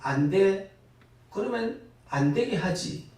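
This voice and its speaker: Animated older man preaching in echoey church. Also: sits high, slow pace, far from the mic. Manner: animated, laughing storytelling with sudden loud rises. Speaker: guest pastor. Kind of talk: sermon. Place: church sanctuary.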